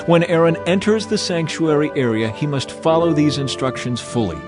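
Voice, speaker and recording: A male narrator delivers dramatized scripture over a clear musical backing. His pitch moves widely through each phrase, while the delivery stays solemn, measured and declarative. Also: expressive, music in the background.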